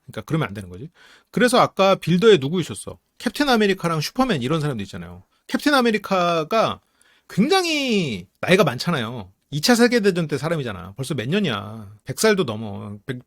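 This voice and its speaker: Man, psychology lecturer, casual lecture, animated delivery, acts out quotes, dry close sound. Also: on the high side, dry recording. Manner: mixes polite and casual speech, laughs at own asides. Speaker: psychology lecturer and channel host.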